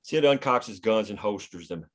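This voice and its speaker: A man's voice: fairly low pitch, expressive, normal speed. A man reading scene headings and action lines as the narrator of a screenplay. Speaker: stage-direction reader.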